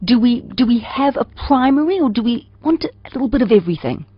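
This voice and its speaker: A woman's voice: fairly high pitch, animated, quick pace, husky, dry recording, highs cut off. A woman with a South African English accent, hosting a radio interview and asking questions with hesitant repeated words.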